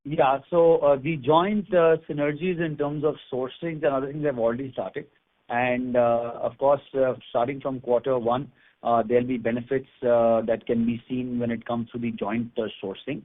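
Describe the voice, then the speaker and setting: Indian executive on a phone line. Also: male voice, mid-range voice, level tone, moderate pace. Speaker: company executive answering analysts. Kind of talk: earnings call answers. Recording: phone-like conference call line.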